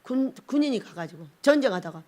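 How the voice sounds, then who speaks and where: A woman's voice: on the high side, lively intonation, a little fast, a little mellow. A woman pastor giving a blunt, scolding sermon and acting out little scenes as she preaches.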